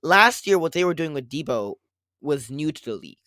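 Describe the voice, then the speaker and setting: A man co-hosting a casual sports podcast, rambling and circling back to his points, a little hoarse after a cold. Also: a little high, big pitch swings, fairly quick, sharp tone, dry recording, clean studio sound. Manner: rambling, repeats himself, quotes others. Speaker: podcast co-host.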